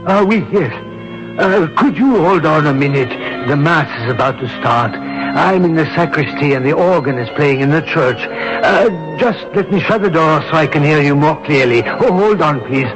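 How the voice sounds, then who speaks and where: An actor playing a brave, kindly, courteous Catholic monsignor in a radio drama. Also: male voice, a little high, animated, normal speed, close to an everyday voice. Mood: urgent, reassuring. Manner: courteous, dryly witty, assured. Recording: dull old radio broadcast, music behind.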